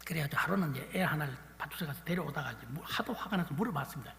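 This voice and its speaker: A man in his sixties preaching a sermon as pastor, moving between loud exhortation and quiet storytelling. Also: fairly high pitch, lively intonation, racing, gravelly, a little hiss or hum. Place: church sanctuary. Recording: echoey church hall with long reverb.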